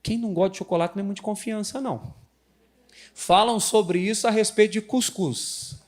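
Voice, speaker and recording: A middle-aged Brazilian man preaching a lively sermon at a church service, telling family stories and asking the congregation questions. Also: high voice, brisk. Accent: Brazilian Portuguese. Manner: animated storyteller, acts out family members' voices, asks the congregation questions. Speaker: pastor.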